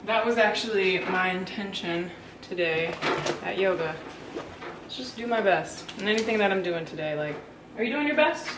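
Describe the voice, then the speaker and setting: A young adult woman vlogging at home in a casual, candid and reflective way. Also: medium pitch. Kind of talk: casual vlog talk. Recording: echoey room, faint noise.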